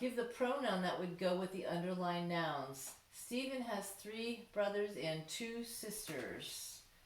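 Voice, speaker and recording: A woman speaks at a fairly slow pace with a medium pitch and lively intonation. Noticeable background noise and audible room echo can be heard. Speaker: elementary school teacher. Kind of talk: online lesson.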